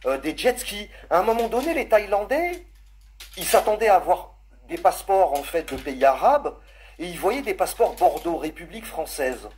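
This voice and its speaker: A man's voice: sits high, very animated, moderate pace, a little hiss or hum. A man hosting a live stream, speaking casually and sarcastically as he holds forth to his listeners. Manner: sarcastic, holding forth, calling listeners "brother". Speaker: livestream host.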